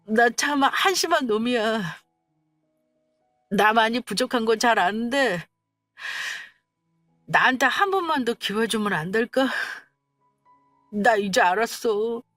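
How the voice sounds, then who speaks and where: A woman's voice: on the high side, lively intonation, takes it slowly, pauses often, a bit bright, dry recording, faint music behind. A woman voicing a young husband in a storybook tale, who makes excuses and pleads. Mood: pleading. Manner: wheedling, making excuses.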